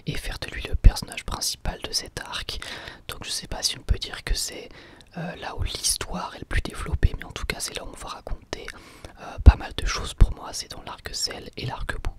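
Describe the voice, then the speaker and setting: A man hosting a whispered ASMR video, calmly answering viewer questions in a thoughtful, explanatory way. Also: normal speed. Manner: soft-spoken, thoughtful and explanatory. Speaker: ASMR channel host.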